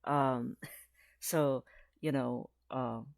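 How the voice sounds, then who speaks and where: A man's voice: mid-range voice, steady tone, extremely slow, gravelly, no echo, studio quality. A trans man rambling through a casual video diary, with lots of fillers and frequent laughs, his voice sometimes cracking. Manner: chatty and rambling, many fillers, laughs often. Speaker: vlogger.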